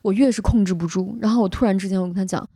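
A young woman hosts a podcast and tells a personal story in an earnest, heartfelt way. Her voice has a mellow, soft tone at a middle pitch. It sounds close and dry, with almost no room echo. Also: rapid-fire, breathy edge. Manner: earnest, emotional retelling with vivid detail. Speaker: podcast host. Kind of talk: casual storytelling chat.

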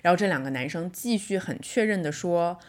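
A woman in her thirties hosting a casual solo podcast. She tells a story in a reflective way and slows down to stress her points. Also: on the low side, lively intonation. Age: 30s. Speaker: podcast host.

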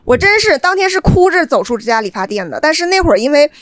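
A woman co-hosting a podcast, telling a story in a soft, self-deprecating way. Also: high-pitched, very animated, quick pace. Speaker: podcast co-host. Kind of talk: casual chat.

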